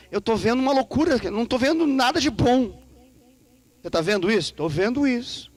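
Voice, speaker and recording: A man preaching a sermon in a Brazilian Portuguese accent, playful and joking, acting out dialogues in shifting voices. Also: high-pitched. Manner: animated, acts out dialogues with God in shifting voices; playful, joking and laughing with the congregation. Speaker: pastor. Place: church service.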